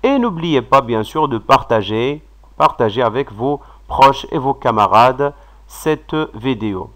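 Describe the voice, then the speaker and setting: A man teaching vocabulary, saying each word slowly and repeating it. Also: mid-range voice, lively intonation. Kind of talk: slow vocabulary lesson.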